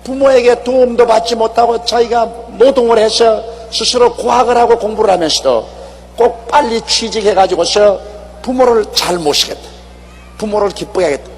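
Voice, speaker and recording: A man preaching a sermon as pastor, animated and acting out quoted speech, with wide swings between loud emphasis and soft asides. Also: extremely high pitch, normal speed, in a large hall, a little hiss or hum.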